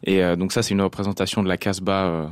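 Musicien à la voix grave et hésitante. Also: male voice, low-pitched, flat delivery, fast talker, clean tone, no room sound, clean studio sound. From France. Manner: thoughtful, many hesitations. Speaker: jazz musician guest. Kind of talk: interview answers.

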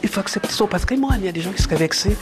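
Easygoing guy giving a quick street interview, music going. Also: sits high, lively intonation. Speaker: audience member. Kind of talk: vox pop interview.

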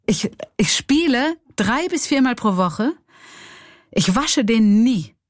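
A woman's voice: a little high, lively intonation, slow, no echo, studio quality. Reflective Swiss German woman comedian. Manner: warm, reflective, laughs often. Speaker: comedian and clown. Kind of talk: reflective interview.

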